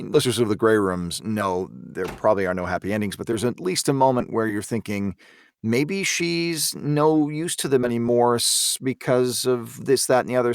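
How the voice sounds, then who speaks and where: A man in a casual podcast discussion, speaking in a halting, reflective way. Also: medium pitch, no echo, clean studio sound. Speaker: podcast participant, drama creator.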